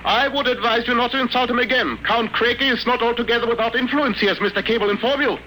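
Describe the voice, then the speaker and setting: An actor playing a fussy, pompous, paranoid sanitarium patient in a 1950s radio drama. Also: male voice, very high voice, quick pace, bright, forceful tone, rough recording. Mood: haughty. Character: eccentric paranoid male sanitarium patient, fussy cat lover. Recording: old 1950 radio broadcast, faint noise.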